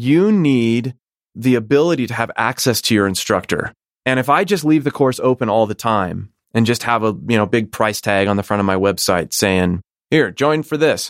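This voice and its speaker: A man with a normal speaking voice, medium pitch, lively intonation and a moderate pace, in a dry, close sound with no echo. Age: 30s. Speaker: singing teacher, online course creator. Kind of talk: interview.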